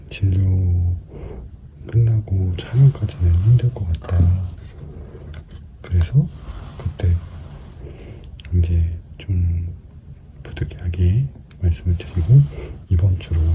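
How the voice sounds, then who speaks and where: A man giving a casual explanatory commentary as a skin care practitioner at work, hesitant at times and now and then dropping to a soft murmur. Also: low-pitched. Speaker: skin clinic practitioner narrating an extraction procedure. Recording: clearly noisy room recording.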